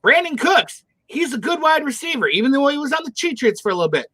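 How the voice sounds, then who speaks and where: Michigan guy ranting about football picks, high sharp voice, real dry sound. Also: sing-song, fast talker, no echo. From Michigan, USA. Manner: opinionated, blunt, ranting. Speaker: co-host of a football picks show. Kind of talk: casual sports chat.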